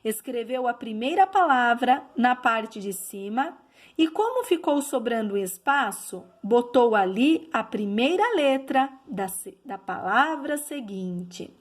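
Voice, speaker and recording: A woman teaches a video lesson at an unhurried pace. Her voice sits a little high, and she explains patiently, often pausing to check that her students are following. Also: lively intonation. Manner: slow, patient explaining to a class with frequent "tá?" check-ins.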